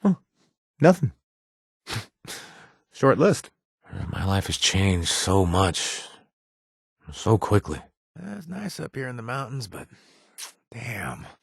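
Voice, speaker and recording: A man's voice: mid-range voice, husky, no room sound, clean studio sound, full character voice. An actor playing a reformed ex-gang man turned bartender in a video game, laid-back and wisecracking.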